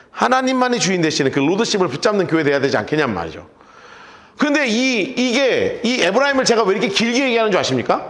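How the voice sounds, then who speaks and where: A male pastor giving an animated, joking, conversational sermon and telling listeners what to note in their Bibles. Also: high voice. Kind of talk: sermon with Bible study notes.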